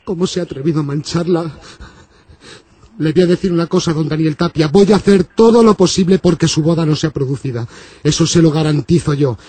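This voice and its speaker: A wrathful old priest, as a man puts him on for a prank call, high and husky, thundering curses and then dropping to low, menacing vows. His voice sounds close and dry. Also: fairly quick, dry recording. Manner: preachy, swings between shouted curses and low menacing threats. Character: furious 64-year-old male priest threatening a caller.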